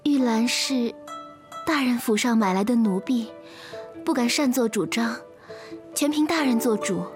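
Actress as meek high-voiced maidservant. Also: female voice, measured pace, long pauses, over music, natural voice. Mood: demure. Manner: submissive, formal. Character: meek, obedient young maidservant, demure female. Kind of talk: Chinese period drama acting.

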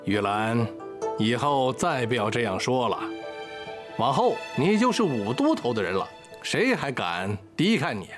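Coaxing period-drama official, swoopy delivery, jovial and officious, music behind. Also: male voice, mid-range voice, sing-song, unhurried. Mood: coaxing, genial. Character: scheming genial official, male army inspector matchmaking over wine. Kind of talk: Chinese period drama acting. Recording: loud background music.

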